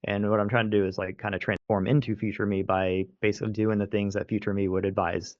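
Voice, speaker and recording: A man's voice: fairly low pitch, level tone, quick pace, darkish tone, dry recording. A man hosting a podcast, talking casually and rambling with many restarts and fillers. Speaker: podcast host. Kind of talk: casual conversation. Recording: dry muffled podcast audio.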